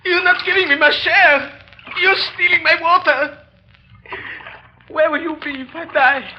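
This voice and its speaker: A dying, vengeful castaway. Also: male voice, extremely high pitch, steady tone, measured pace, sharp tone, heavily acted. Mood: desperate. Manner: croaking, desperate, pleading then threatening. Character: delirious starving male convict navigator, vengeful. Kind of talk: 1930s radio drama acting. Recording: dull old radio recording.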